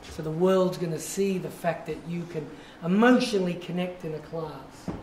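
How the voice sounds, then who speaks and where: A man, an acting teacher guiding students through a warm-up, encouraging and drawn-out. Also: fairly high pitch. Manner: encouraging, coaching with drawn-out phrasing. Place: large echoey class studio. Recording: echoey room, distant mic, noisy.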